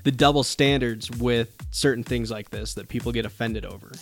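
A man's voice: medium pitch, steady tone, normal speed, creaky, soft background music. A man co-hosting a casual podcast chat, pressing his argument bluntly and coming back to it again and again. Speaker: podcast co-host.

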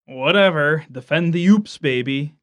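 A man's voice: on the high side, a little slow, fairly bright tone. A man in his twenties playing a jokey, petulant, mock-indignant friend in an audio drama. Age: 20s. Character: wisecracking, petulant 27-year-old male friend, Alfie.

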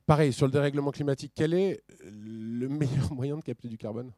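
A middle-aged man from France giving a talk with slides, casual and animated, with ironic asides and many restarts. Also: mid-range voice, a little fast, dry recording. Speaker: speaker at a business talk.

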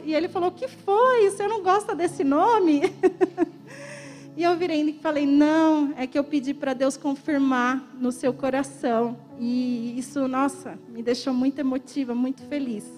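A woman's voice: high-pitched, a little mellow, in a large hall. A woman giving a personal testimony in a church, emotional, often laughing and acting out the dialogue she retells.

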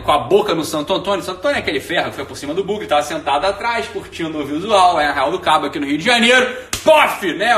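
Ranting high-voiced man, echoey room. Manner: profane, ranting, animated. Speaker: online course teacher. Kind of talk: casual monologue to followers. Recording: echoey room, voice far from mic.

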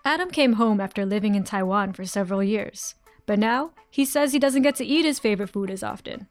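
A woman's voice: medium pitch, fairly quick, faint music behind. A woman from Canada, a reporter, chatting playfully on a podcast and reading narration. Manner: animated, playful storyteller. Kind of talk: casual chat and scripted narration.

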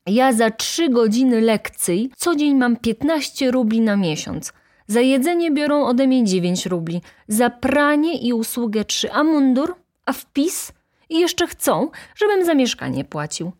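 A woman voicing a hot-tempered, indignant poor young male student who shouts in outrage. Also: medium pitch, lively intonation, measured pace, pitched above the performer's own voice.

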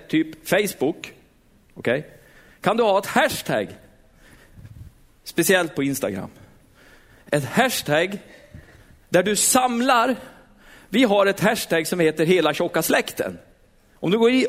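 Middle-aged guy preaching in church, kinda high voice, keeps asking the crowd stuff. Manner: lively, talks straight to the congregation with many questions. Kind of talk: sermon.

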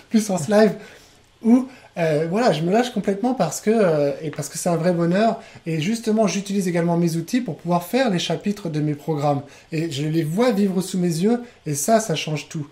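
Guy running a live webinar, warm mellow voice, chatty and enthusiastic, lots of restarts. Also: sits high, moderate pace. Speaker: online trainer and webinar host.

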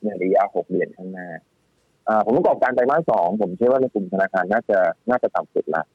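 Fast-talking man on a tinny phone line. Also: on the low side, dry recording. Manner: animated, speaks fast with many restarts and fillers. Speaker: stock market guest analyst. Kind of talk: casual financial talk. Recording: tinny phone-line audio, faint music.

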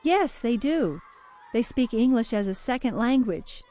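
An actress playing a friendly, chatty child care worker who answers a reporter's questions. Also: female voice, on the high side, lively intonation, measured pace, dark tone. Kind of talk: scripted interview answers.

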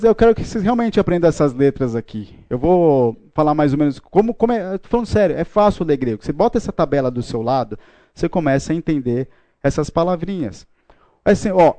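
A man's voice: on the high side, mellow, dry recording. A man teaching a Bible class, joking and playful with his students. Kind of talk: classroom lecture. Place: classroom with a live audience.

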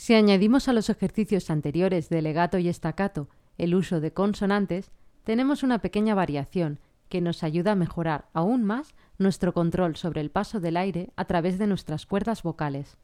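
A woman vocal coach explaining singing technique in a clear, patient way. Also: on the low side, moderate pace, mellow. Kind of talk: singing lesson with sung vocal examples.

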